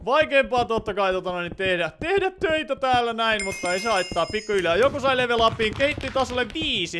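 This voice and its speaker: A man's voice: high voice, fairly bright tone, slight background noise. A young man with a Finnish accent, streaming Minecraft live and chatting to viewers, with many fillers as he answers chat. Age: teens. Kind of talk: live gameplay commentary. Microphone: desk microphone.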